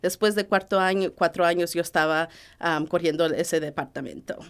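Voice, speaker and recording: A woman's voice: on the low side, normal speed, smooth. A woman from the United States with a US Latina Spanish accent, chatting as an interview guest and slipping English words into her Spanish. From United States, Hudson Valley. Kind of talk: casual interview conversation.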